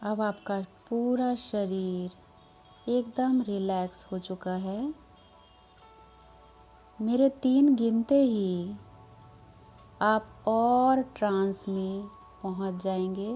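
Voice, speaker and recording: Very slow, soothing woman guiding meditation. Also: mid-range voice, warm tone. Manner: soothing, measured, with long pauses. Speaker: meditation guide. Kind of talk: guided meditation, hypnotic relaxation instruction. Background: background music.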